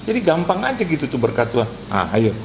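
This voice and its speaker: A middle-aged male pastor preaching a sermon, animated, acting out conversations and mixing in English phrases. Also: a little high, fast. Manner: animated preacher who acts out dialogues and drops English phrases. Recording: noisy live sermon recording.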